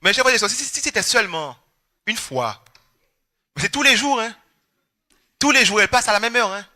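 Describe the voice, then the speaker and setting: A young Guadeloupean man preaching a personal testimony, animated and storytelling, acting out his family's words. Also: high voice, brisk. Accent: Guadeloupean French. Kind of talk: testimony sermon.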